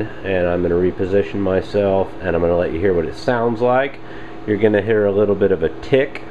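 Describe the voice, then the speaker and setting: A man with a low, deep voice talks plainly through his workshop steps, unhurried and practical. He is recorded on a handheld camera in a home shop, with a clear hum of machines and air behind him. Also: a little mellow, muffled recording. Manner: plain step-by-step explaining, unhurried. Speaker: hobby machinist reviewing a tool. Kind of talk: casual workshop demonstration. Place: home workshop with lathe and bench. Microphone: handheld camera mic, speaker off screen.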